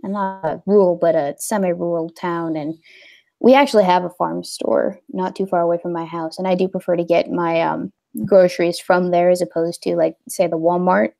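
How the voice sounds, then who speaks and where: A woman's voice: on the low side, steady tone, moderate pace, vocal fry, dark tone. A young woman hosting a casual livestream, talking in a rambling, hesitant way with many fillers. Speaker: livestream host.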